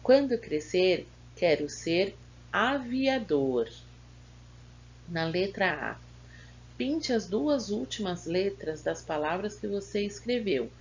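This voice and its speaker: Slow, gravelly Brazilian teacher woman. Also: mid-range voice, lively intonation, darkish tone, lo-fi sound, slight background noise. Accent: Brazilian Portuguese. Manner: slow, patient, spells words syllable by syllable. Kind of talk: correcting schoolbook exercises.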